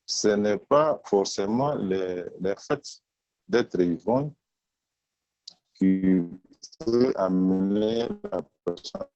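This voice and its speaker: A man's voice: low voice, drawn-out words, a little mellow, clean tone, dry recording, faint music behind. A man in an online class asking a hesitant question, his voice breaking up into a choppy half-robotic sound from a bad connection. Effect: choppy half-robotic voice from a bad internet connection. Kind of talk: asking a question in a video call. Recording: lo-fi broken-up video call audio.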